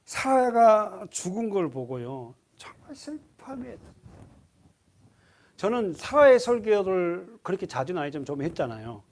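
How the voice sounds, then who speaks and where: Speaking at a moderate pace with few pauses, a high-voiced male pastor gives a lively sermon. Questions for the congregation and acted-out voices punctuate his preaching.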